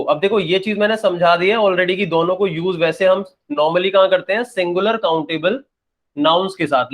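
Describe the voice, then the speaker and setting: A young man teaching an English grammar lesson, repeating points and answering his own questions. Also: high-pitched. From India. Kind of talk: classroom-style lesson, explaining and checking.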